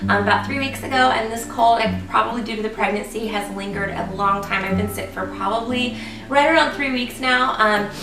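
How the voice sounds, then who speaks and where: A woman vlogging casually to her viewers, chatty and excited, a little raspy and congested from a cold. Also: on the high side, fairly quick, distant mic, over music. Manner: chatty, excited, lots of ums. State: congested, getting over a cold. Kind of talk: casual vlog talking to viewers. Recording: echoey room, voice a bit off-mic.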